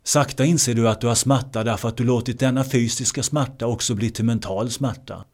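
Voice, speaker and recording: A man teaching meditation in a measured way, often repeating key words. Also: medium pitch, steady tone, darkish tone. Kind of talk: translated meditation discourse.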